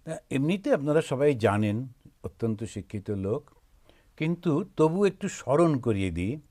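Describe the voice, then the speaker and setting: A man with a Bengali accent, a monk who chants Sanskrit verse slowly and then explains pronunciation with gentle humour. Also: medium pitch, very animated. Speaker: monk giving a spiritual talk. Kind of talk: chanting then spoken talk.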